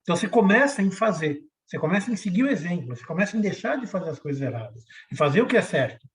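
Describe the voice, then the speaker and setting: A man leads a Bible lesson in a relaxed, conversational way. His voice sits slightly above the usual pitch for a man. He keeps checking in with "né?" and repeats key phrases to drive them home. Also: racing. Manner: conversational, ends points with "né?". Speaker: Bible teacher. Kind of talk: teaching a Bible lesson, reading scripture aloud.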